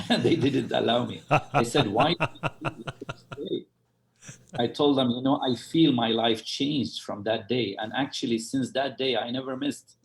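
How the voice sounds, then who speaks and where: A man from Lebanon, a church leader, telling his story as an interview guest, halting with many fillers and restarts. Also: mid-range voice, vocal fry. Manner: halting, full of fillers and restarts, chuckles while telling stories.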